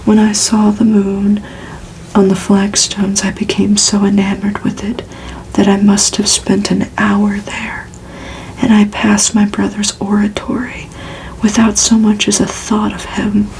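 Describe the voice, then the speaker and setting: A woman reads fiction aloud in a soft, breathy whisper for ASMR. Her delivery is slow and soothing, with very little rise and fall and a crackly, creaky edge. A faint ambient noise sits behind her. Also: mid-range voice, completely flat delivery. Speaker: ASMR narrator reading a novel aloud. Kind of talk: whispered ASMR audiobook reading.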